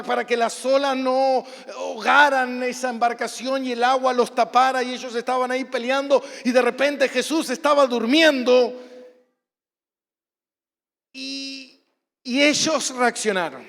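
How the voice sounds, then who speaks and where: A man, a pastor with a Rioplatense Argentine accent, preaching a sermon and acting out stories, at times bursting into shouts. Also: very high voice, fairly even intonation, measured pace, gravelly. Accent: Rioplatense Spanish. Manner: storytelling, acts out scenes, bursts into shouts. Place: church hall. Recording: church hall reverb.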